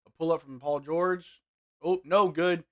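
A young man doing live play-by-play and chat reading while watching a game, his voice getting hoarse, in a small room at a desk mic. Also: a little high, measured pace. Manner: play-by-play calls mixed with relaxed banter. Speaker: sports watch-along streamer. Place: small indoor room with gaming chair.

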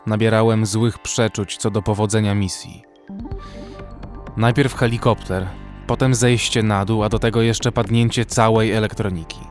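A man's voice: fairly low pitch, fairly even intonation, moderate pace, lightly acted. A man playing a weary armed survivor who narrates a horror audio drama in the first person. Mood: grim, measured. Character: weary male armed survivor narrating a frozen zombie apocalypse. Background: music bed.

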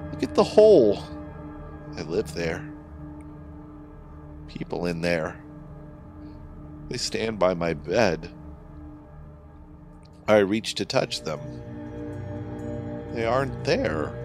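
A terrified, deranged man in an audio horror tale. His delivery is erratic and manic, swinging sharply in pitch from a low base. Music plays behind him. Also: big pitch swings, vocal fry, full character voice. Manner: erratic, halting then shrieking, manic. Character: feverish, terrified, unhinged man reading his deranged journal. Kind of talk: horror audio story acting.

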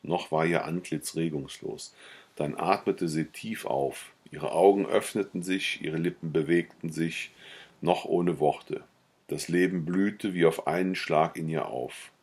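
A man reading a novella aloud in a calm, measured way, then chatting briefly at the end. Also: rumbling low, slightly rough. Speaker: audiobook reader.

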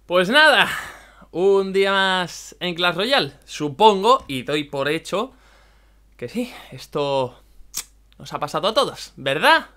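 Animated, bright-voiced young gamer. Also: male voice, high voice, clear, resonant tone. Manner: animated, frustrated outbursts, talks to viewers. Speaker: gaming YouTuber. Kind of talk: excited game commentary.

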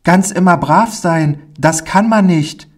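A man voicing a shy, timid little boy in a storybook reading, with a high, pleading tinged voice. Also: slow pace. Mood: anxious, eager.

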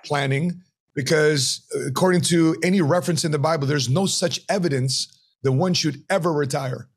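A middle-aged retirement planner shares his story as a guest in an interview conversation, speaking into a podcast mic on a boom arm in his home office. His voice is fairly high with a breathy edge, and he talks at a normal speed. He's animated and acts out the voices of people he quotes.

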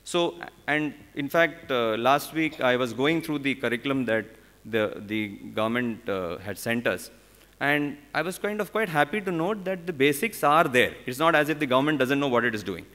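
A man in his forties with an Indian English accent, speaking at a conference podium in a halting way, with many fillers and restarts. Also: medium pitch, sharp tone. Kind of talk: conference panel talk. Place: large conference hall on stage. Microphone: podium microphone. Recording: long hall reverb.

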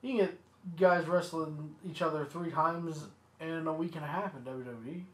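A man's voice: on the high side, normal speed. A man chatting casually on a wrestling podcast, recorded in an echoey room with faint noise.

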